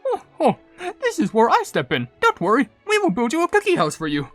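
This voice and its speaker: Game hero: helpful, easily awed cookie voiced by a man, chirpy and casual, very animated pitch, light music bed. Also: a little fast, exaggerated voice. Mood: eager, reassuring. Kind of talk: video game cutscene character voice.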